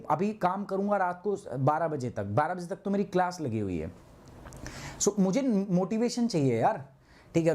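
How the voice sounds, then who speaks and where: A man's voice: high voice, a little mellow. Scolding, chatty male online teacher. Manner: chatty and scolding, mixing Hindi and English, often saying "ठीक है". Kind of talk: live online class lecture.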